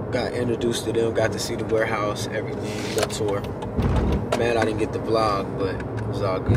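Loud background noise behind a man's fairly quick speech. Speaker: vlogger. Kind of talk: casual vlog chat. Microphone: phone near.

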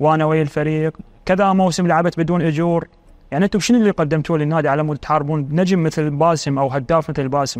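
At a fairly quick pace, a man with an Iraqi accent talks with a fairly high pitch and fairly even intonation. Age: 30s. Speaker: footballer; guest. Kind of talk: interview. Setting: studio. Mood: aggrieved, bitter. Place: cafe.

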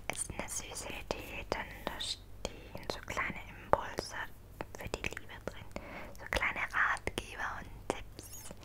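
Whispering and soft-spoken, a woman speaks in a gentle tone at a very slow pace. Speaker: ASMR content creator. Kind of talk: soft-spoken product show-and-tell. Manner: soft, gentle ASMR near-whisper. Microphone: studio mic.

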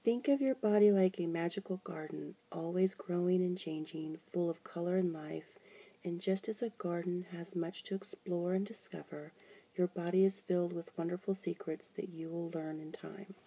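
Soft-spoken and gentle in tone, a woman talks at a moderate pace in a fairly low pitch, with a dark, mellow tone and fairly even intonation. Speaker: ASMR reader. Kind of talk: ASMR soft-spoken children's book reading. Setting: recorded from inside a blanket fort. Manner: soft-spoken, gentle. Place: home room. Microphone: phone near.

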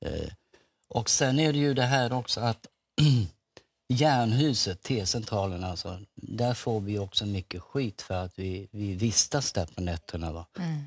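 A man's fairly low-pitched voice at a fairly slow pace, with lively intonation. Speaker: homeless pensioner; interview guest. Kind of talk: TV interview. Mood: earnest, calm. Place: studio. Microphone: lapel.

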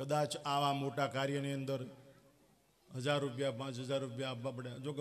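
A man speaks at a fairly high pitch. His intonation is flat and monotone. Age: 70s. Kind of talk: religious discourse. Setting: religious gathering with audience. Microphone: podium.

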